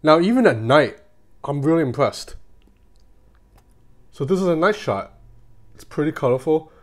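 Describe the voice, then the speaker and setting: A man's voice: on the high side, lively intonation, normal speed. A man in his thirties giving a casual, conversational hands-on tech review in an informal way.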